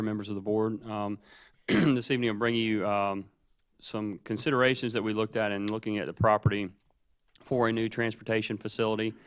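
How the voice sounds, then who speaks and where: A man who works as a school district administrator, presenting to the board in a measured way with frequent ums. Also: fairly low pitch, clean tone.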